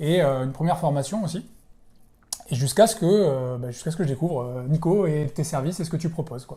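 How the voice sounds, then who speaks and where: Ordinary pitch variation comes with a fairly quick pace of speech. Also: man. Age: 40s. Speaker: self-employed trading student. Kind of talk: interview. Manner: hesitant.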